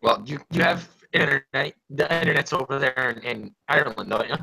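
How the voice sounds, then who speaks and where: A man's voice: mid-range voice, brisk, vocal fry, sharp tone, slightly rough, poor audio. A man hosting a casual group stream, teasing the others and laughing often. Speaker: stream host. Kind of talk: casual chat.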